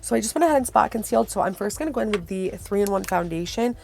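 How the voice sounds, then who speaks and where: A woman's voice: mid-range voice, lively intonation, fast talker, gravelly, a little mellow. A woman beauty vlogger chatting casually to viewers through a product review, her voice worn from being sick.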